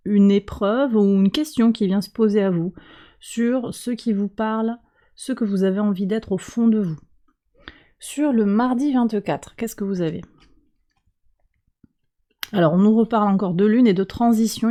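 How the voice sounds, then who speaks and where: Woman, head cold, mellow dark voice, calm unhurried card reading, frequent hesitations. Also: medium pitch. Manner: calm, slow, hesitant with many fillers. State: has a cold. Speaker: tarot and astrology reader, channel host. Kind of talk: weekly card reading for viewers.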